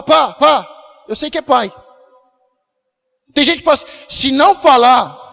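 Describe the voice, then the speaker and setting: High-voiced shouting pastor, church reverb. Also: male voice. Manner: emphatic, shouting at peaks, acting out prayers. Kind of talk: sermon. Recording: long hall reverb.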